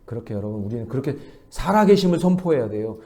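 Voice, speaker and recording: A man's voice: medium pitch, big pitch swings, fast, warm tone. A man preaching at a dawn prayer service, emphatic and repeating his key phrases as he leads the congregation in reading aloud. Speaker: pastor.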